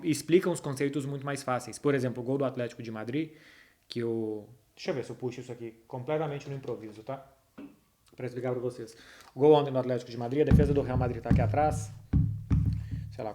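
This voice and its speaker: A man's voice: mid-range voice, darkish tone. A man with a Brazilian Portuguese accent talking informally and directly to his audience as the host of a football chat. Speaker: host answering viewers' football questions. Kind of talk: casual chat to followers, football analysis.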